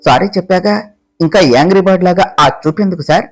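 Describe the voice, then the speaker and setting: The storyteller plays Manu, a pert, quick-witted young woman who talks back to her boss. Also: on the low side, soft background music, lightly acted. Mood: cheeky. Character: cheeky young woman, new office assistant.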